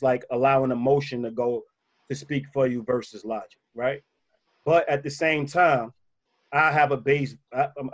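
A man with a slightly bassy voice who co-hosts a casual advice talk and drives his points home by repeating them. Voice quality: a little bassy voice. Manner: emphatic, repeats key points.

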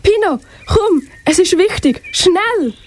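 A woman's voice: high-pitched, moderate pace. A teen girl playing an eager young swallow. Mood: urgent. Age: teens. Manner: urgent, excited.

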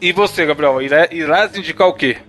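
A man's voice: fairly high pitch, fairly quick, music in the background. A man with a Brazilian accent hosting a casual podcast chat in slangy, sweary speech. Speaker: podcast host.

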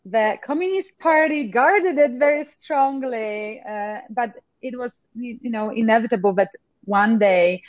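A woman's voice: on the high side, no echo, lo-fi sound. Polish-accented woman, reflective guest. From Poland. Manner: reflective, many fillers and pauses. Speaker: podcast guest, success coach. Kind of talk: conversational interview.

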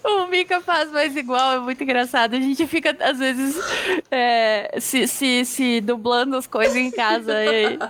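A woman's voice: high-pitched, fairly even intonation, background noise. Giggly woman co-host. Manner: chatty, giggly, quick back-channel replies. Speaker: podcast co-host, streamer. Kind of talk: casual chat.

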